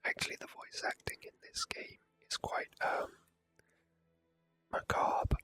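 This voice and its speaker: A man whispers his way through ASMR game commentary. The whisper has a crisp, bright edge, and he talks hesitantly, with a self-deprecating streak. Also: a little slow, faint music behind. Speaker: ASMR gamer.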